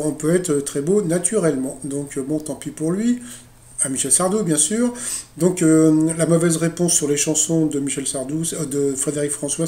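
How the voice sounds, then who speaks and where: A man's voice: on the high side, dark tone. A man casually recapping a TV quiz show for a video, rambling with many fillers and joking asides. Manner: rambling, full of "donc, euh, voilà" fillers and joking asides.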